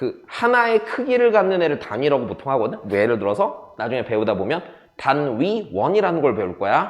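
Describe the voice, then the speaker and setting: At a moderate pace, a man speaks in an animated way with vocal fry. His fairly high voice swings very widely in pitch. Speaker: math teacher. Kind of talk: lecture. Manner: casual, animated.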